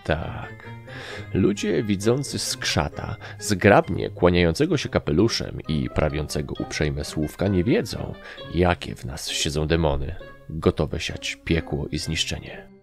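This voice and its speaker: A man narrating an audiobook in a very low, gravelly voice. His delivery is dry and wry, and it moves lively up and down. Faint music plays softly behind him. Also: a little slow. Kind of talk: first-person audiobook narration.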